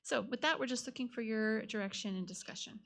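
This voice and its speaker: A woman's voice: fairly high pitch, fairly quick, a bit bright. A woman speaking as a city official, giving a semi-formal staff report in a businesslike, explanatory way at a council meeting.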